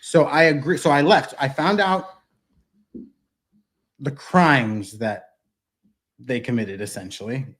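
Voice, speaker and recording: A man's voice: medium pitch, slow, long pauses, a bit bright. A man in his thirties with a mid-range voice talks bluntly and with force, swearing freely. He sits at a desk mic in a small wood-paneled studio. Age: 30s. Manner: blunt, profane, emphatic. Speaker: guest. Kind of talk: casual interview.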